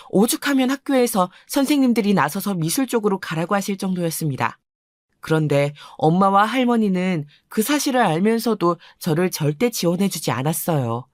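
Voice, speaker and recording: Brief: female story narrator, calm and confiding, dry close sound. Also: medium pitch, no room sound. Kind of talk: first-person story narration.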